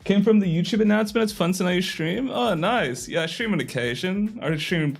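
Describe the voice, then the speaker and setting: Slightly hoarse young man streaming. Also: high-pitched, animated, brisk, soft background music. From Australia. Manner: rambling and self-deprecating, full of fillers. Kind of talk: casual live-stream chat.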